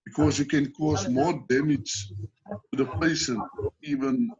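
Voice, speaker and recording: A man's voice: on the high side, fairly even intonation, unhurried, crowd noise. A South African man teaching first aid on a video call, patiently explaining steps and asking the group questions. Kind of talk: online training session. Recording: dull lo-fi call audio.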